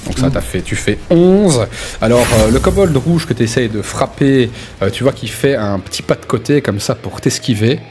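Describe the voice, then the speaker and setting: A man's voice: mid-range voice, lively intonation, normal speed, background noise. A man running a tabletop role-playing game, narrating in an informal, hesitant but vivid way. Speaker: game master.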